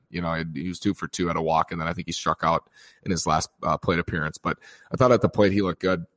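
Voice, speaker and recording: A man with a slightly low, hoarse voice, worn out from screaming at a game. He talks loosely and off the cuff, filling gaps with ums and circling back mid-sentence as he sorts through the day's game. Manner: rambling, many fillers and restarts. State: strained voice from screaming. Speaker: sports commentator. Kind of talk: casual baseball recap.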